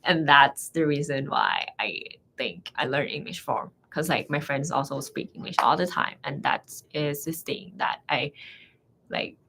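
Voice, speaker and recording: A young woman with a Thai accent, a native Thai speaker, chatting casually in halting non-native English. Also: low voice, big pitch swings, gravelly, bright, forceful tone, a little hiss or hum, rough recording. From Thailand. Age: young adult. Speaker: guest, medical trainee. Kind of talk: casual chat.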